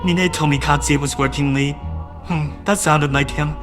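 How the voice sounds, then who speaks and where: A man's voice: on the high side, steady tone, moderate pace, music in the background. A man narrating a first-person audio drama in a wistful, doting way that grows uneasy.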